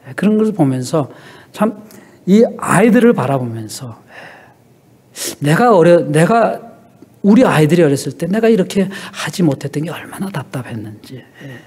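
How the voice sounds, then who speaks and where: A middle-aged man preaching a sermon in a church, telling stories and often dropping a soft "yes" between phrases. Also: a little high, slightly rough. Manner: peppers speech with a soft affirming "yes". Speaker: pastor. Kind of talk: sermon with storytelling.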